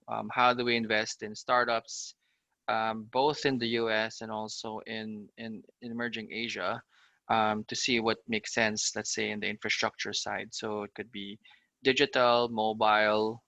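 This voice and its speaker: Gravelly, bright-voiced man. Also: fairly low pitch, dry recording, muffled recording. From Philippines. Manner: upbeat, talks in long runs full of "uh" and "you know". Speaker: guest, fintech startup founder. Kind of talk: casual podcast interview.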